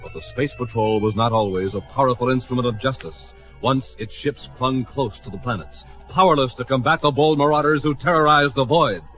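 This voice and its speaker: In an old radio broadcast with faint music, a male narrator and announcer tells an adventure serial with dramatic, grandiose flair. His medium-pitched voice is a bit bright, a little fast, with few pauses, and the recording is rough.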